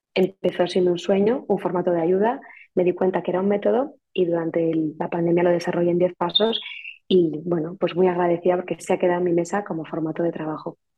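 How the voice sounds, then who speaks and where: Here is an unremarkable speaking voice with fairly even intonation. The delivery comes at a fairly quick pace. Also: woman, fairly low pitch for a woman. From Galicia, Spain. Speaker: fashion stylist. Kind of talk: interview.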